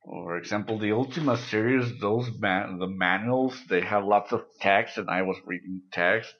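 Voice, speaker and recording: A man from Mexico whose first language is Spanish, speaking English in a halting, measured way in a casual conversation. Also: lowish voice, lo-fi sound. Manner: measured, halting recollection with restarts.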